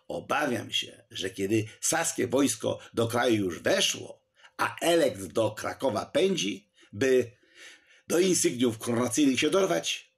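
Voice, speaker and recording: A man's voice: mid-range voice, vocal fry. A male narrator voicing an agitated nobleman in a historical audiobook, speaking urgently. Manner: urgent, declaiming. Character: agitated nobleman bringing bad news.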